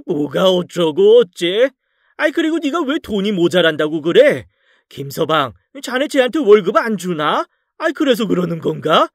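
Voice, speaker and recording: A man voicing a proud, hot-tempered older father-in-law who shouts in outrage. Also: high-pitched, lively intonation, moderate pace, no room sound, studio quality, pitched above the performer's own voice. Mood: furious.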